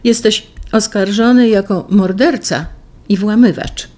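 A woman's voice: mid-range voice, unhurried, mellow, voice pushed up, natural voice. A reader voicing an urgent young noblewoman. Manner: urgent, pleading. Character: young noble woman, devoted and tearful. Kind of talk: audiobook reading.

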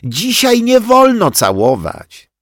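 A man voicing a cheeky kindergarten boy, high and squealing. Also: wildly swooping pitch, takes it slowly, fairly bright tone, no room sound, studio quality, full character voice. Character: cheeky kindergarten boy rolling on the floor laughing.

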